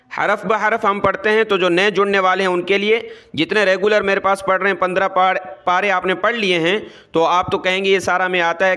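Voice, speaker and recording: A man teaching Quran recitation letter by letter, drawing out each sound slowly and then explaining quickly, with a South Asian Urdu accent. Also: sits high, bright, forceful tone, clean tone. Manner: slow drawn-out recitation, quick explanations between.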